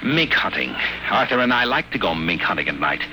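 A man's voice: sits low, big pitch swings, a little fast, sharp tone, full character voice, low-quality recording. An actor playing a wisecracking, tough man who narrates and acts out his ordeal in a 1950s radio drama. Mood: sardonic. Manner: hard-boiled, sardonic. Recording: old radio broadcast with music behind.

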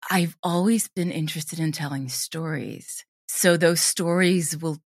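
Female interview guest, low-pitched, enthusiastic and conversational, dry recording. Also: unhurried, no echo. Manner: chatty, enthusiastic. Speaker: interview guest, drama teacher and audio drama creator. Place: at home, remote interview.

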